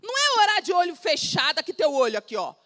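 A woman pastor with a Brazilian Portuguese accent drives home her points through emphatic repetition. Her high, bright voice leaps around with lively swings in pitch. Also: fast talker. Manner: emphatic, repetitive, animated preaching. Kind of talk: sermon.

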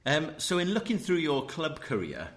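A man hosting a podcast, introducing a guest and asking questions in a relaxed way with fillers. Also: on the high side, normal speed. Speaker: podcast host.

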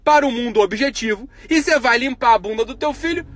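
A man's voice: very high-pitched, quick pace, a bit bright, no echo. A man hosting a live stream, giving a blunt, profane monologue on ethics full of rhetorical questions. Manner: grows heated and emphatic.

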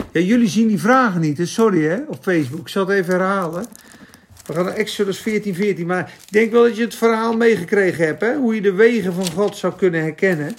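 Guy preaching on a stream, high raspy-ish voice, gets all fired up then goes soft. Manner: fervent, shifts between loud exclamation and soft musing. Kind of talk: sermon with live questions. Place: church or home stream for Facebook.

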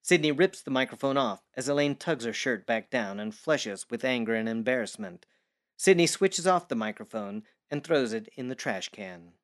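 Male narrator for scripted audio drama, medium pitch, reading scene action in present tense. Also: expressive, moderate pace.

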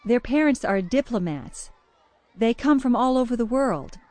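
A woman's voice: fairly high pitch, expressive, moderate pace, a little mellow, dry recording, natural voice. Woman playing a cheerful child care worker. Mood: friendly. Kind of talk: scripted interview answers.

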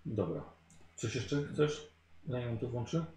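A man's voice: medium pitch, expressive, unhurried, dark tone, reverberant, slight background noise. A man as game master, narrating a tabletop game in a descriptive way with filler sounds.

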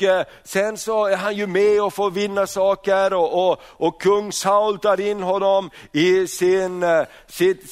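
High-voiced man preaching with stumbling restarts. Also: clear, resonant tone. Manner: frequent restarts and repeated words, rhetorical questions to the congregation. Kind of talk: sermon.

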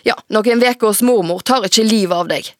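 A woman's voice: mid-range voice, no room sound, studio quality, pitched above the performer's own voice, natural voice. A woman voicing a worn-out middle-aged mother who speaks firmly while holding back anger, reading from her own novel.

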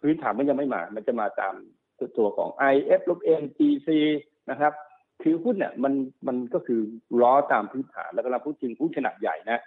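A man working as a stock market analyst, explaining market cycles quickly and repeating himself, often checking that the listener follows. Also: medium pitch, expressive, slightly rough. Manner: fast, repetitive explaining, often checks understanding. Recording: narrow phone-like sound.

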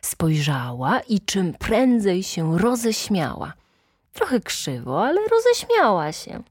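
A woman reading a children's story aloud slowly and expressively, lively when quoting characters. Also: medium pitch, slightly rough, dry recording, clean studio sound. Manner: slow, expressive, animated quoting.

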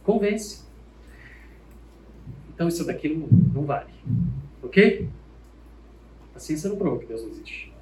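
A man teaching a lesson in a church classroom, animated and asking the class questions. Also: a little high, moderate pace, pauses often, reverberant, a little hiss or hum, poor audio.

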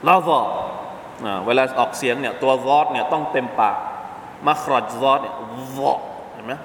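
A man teaching a religious lesson at a mosque, chanting Arabic verses slowly between lively explanations and quick self-corrections. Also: mid-range voice. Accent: Southern Thai. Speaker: Islamic teacher. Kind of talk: mosque lesson with Quran recitation. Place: mosque hall. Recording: echoey hall with faint hiss.

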